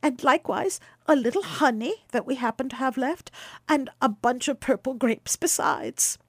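A woman's voice: high-pitched, moderate pace, husky, no room sound, clean studio sound, voice pushed up. A woman voicing a poor, kindly old peasant wife who fusses and apologizes in a raised voice. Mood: eager. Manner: apologetic, fretful.

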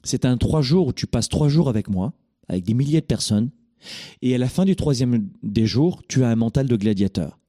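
A man's voice: medium pitch, animated, normal speed, mellow. A middle-aged man hosting a call-in coaching show, speaking in an emphatic, preachy, directive way.

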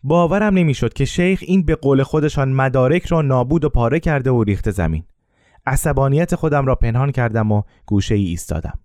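A man narrating a first-person story in a calm, measured way, with scripted narration. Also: medium pitch, no echo.

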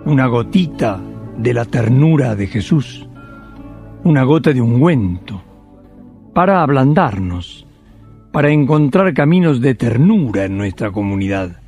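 A man narrates a devotional radio play. His delivery is measured and slow, at a medium pitch, with faint music underneath. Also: lively intonation, mellow.

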